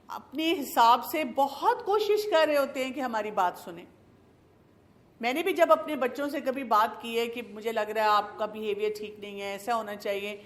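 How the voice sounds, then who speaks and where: A middle-aged woman with a slightly high voice gives parenting advice as a child psychologist. Her delivery is calm and explanatory. She often slips English phrases into her talk.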